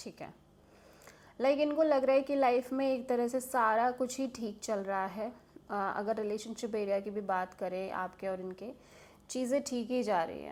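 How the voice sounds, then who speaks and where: Using a plain, everyday voice, a woman speaks with ordinary pitch variation. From Uttar Pradesh, India. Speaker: professional tarot card reader. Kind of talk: tarot reading to camera.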